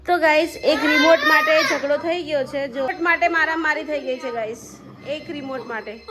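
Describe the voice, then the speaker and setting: A woman's voice: high voice, moderate pace, a crowd in the background. A woman, chatting casually to her phone camera at home as a family vlogger. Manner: chatty, laughs often. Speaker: vlogger, mother.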